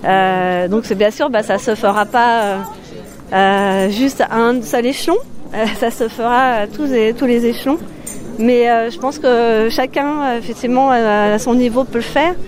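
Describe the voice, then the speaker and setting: A woman's voice: fairly high pitch, fairly even intonation, measured pace. Hesitant woman speaking over music. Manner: hesitant, with frequent fillers. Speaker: interviewee. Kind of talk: spontaneous interview answer.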